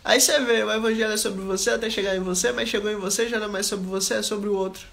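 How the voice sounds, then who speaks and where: A man's voice: high voice, fairly even intonation, fast talker, vocal fry, fairly bright tone. A man preaching a live Bible study, talking directly to his listeners and repeating his points with emphasis. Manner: repetitive, emphatic exhortation; conversational, addresses listeners directly.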